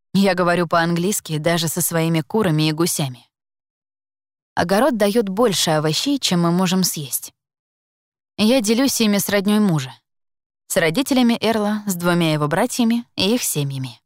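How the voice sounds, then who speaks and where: A woman reads a first-person story in a calm, measured way, her voice sitting a little low. The sound is dry and close, with no room around it. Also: no echo. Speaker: audiobook narrator. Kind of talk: scripted first-person narration.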